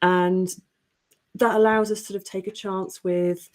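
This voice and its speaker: A woman's voice: medium pitch, little pitch movement, a little slow. A woman speaking earnestly and appreciatively in an unscripted panel discussion. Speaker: panelist, editor of story anthology show. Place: remote online panel call.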